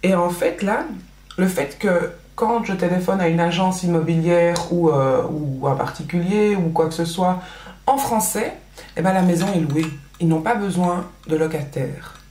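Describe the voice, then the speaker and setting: Chatting casually as she does her makeup, a pregnant vlogger in her thirties speaks at a moderate pace in a warm voice on the low side, in a reverberant room. Originally from Belgium with Dutch as her first language, she has a Belgian French accent and her talk is full of fillers and restarts.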